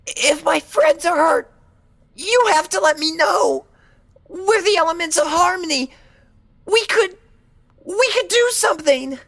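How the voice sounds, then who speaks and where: A woman voicing an anxious, injured young pony mare who speaks haltingly and pleadingly in an audio story. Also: very high-pitched, lively intonation, gravelly, exaggerated voice. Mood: panicked, pleading. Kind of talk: dramatic audio story acting.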